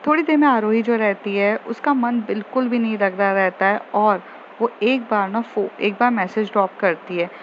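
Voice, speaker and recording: A woman's voice: mid-range voice, normal speed. A woman narrating a love story in a casual, chatty way, often restarting her sentences. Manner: chatty, with many fillers and restarts. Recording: slightly muffled, faint hiss.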